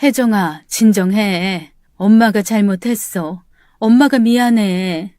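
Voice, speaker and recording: A woman voicing a gentle, long-suffering older mother in a spoken story drama, talking softly and slowly to calm her daughter. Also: medium pitch, dry recording, studio quality, close to an everyday voice. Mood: soothing. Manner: soft, slow, soothing.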